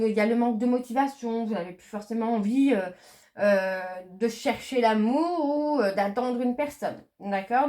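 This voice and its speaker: A woman doing a casual card reading, chatty and hesitant, with many fillers and restarts, slowing down when she reads card messages aloud. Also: on the high side, a little mellow. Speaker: medium doing a tarot reading.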